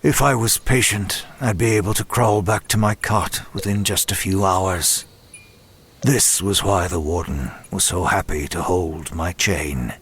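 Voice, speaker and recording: Deep, weary, tormented demon narrator. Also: male voice, a bit bright, breathy edge, full character voice. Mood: weary anguish. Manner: grave, measured, halting, dramatic. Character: broken, weary male demon, tormented and self-loathing. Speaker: first-person narrator. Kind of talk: scripted horror audio drama narration.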